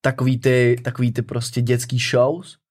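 Young male co-host, mid-range voice, quick slangy interjections. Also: mid-range voice, completely flat delivery, a little mellow. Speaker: podcast co-host. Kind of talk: casual chat.

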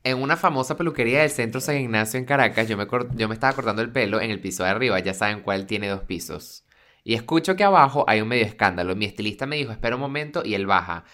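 A Venezuelan man co-hosting a podcast, telling gossip stories in a playful, animated way. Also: lowish voice, fast talker. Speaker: podcast co-host. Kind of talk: casual gossip chat.

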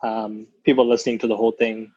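A man's voice: fairly low pitch, little pitch movement, fast talker, a little mellow, husky, no room sound. A man speaking with a foreign accent on a podcast, hesitant, with many fillers. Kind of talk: casual podcast chat. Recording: dull lo-fi mic.

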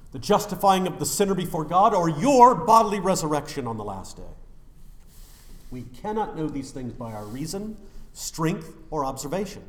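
A male pastor delivering an animated, emphatic sermon. His words swing between loud declarations and sudden quiet drops, with a roomy church echo around him. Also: fairly high pitch.

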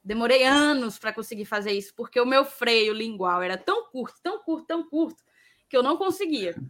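Female host, Ceará accent, slight lisp on s, bright higher voice, casual and informal. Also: animated, fairly quick. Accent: Brazilian Northeastern, Ceará. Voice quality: slight lisp, tongue-tied s sounds. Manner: informal, repeats phrases for emphasis. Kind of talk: casual live chat, reading viewer messages.

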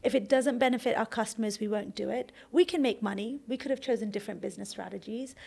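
Kenyan-raised woman with a gravelly edge. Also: a little high, fast, darkish tone. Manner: conversational, explains at length with fillers and restarts. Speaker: startup founder and CEO. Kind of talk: podcast interview answers.

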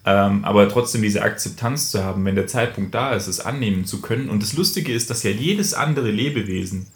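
A man's voice: lowish voice, fairly quick, echoey room. A man co-hosting a podcast, talking reflectively with many fillers and then reading a short story aloud. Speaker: podcast co-host. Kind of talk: casual conversation and story reading.

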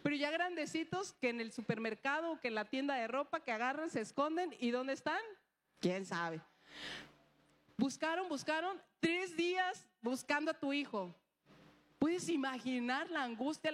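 High-voiced woman preaching with lively stories. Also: normal speed. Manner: animated storytelling, acting out dialogue, rhetorical questions. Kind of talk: sermon with personal story.

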